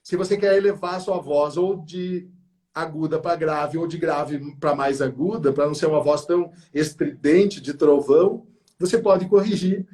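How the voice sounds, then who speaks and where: A man hosting an interview, effusive and animated, acting out other people's words with big leaps in pitch. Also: moderate pace. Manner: effusive, acts out quoted voices with big pitch jumps. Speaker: host. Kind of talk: enthusiastic interview chat.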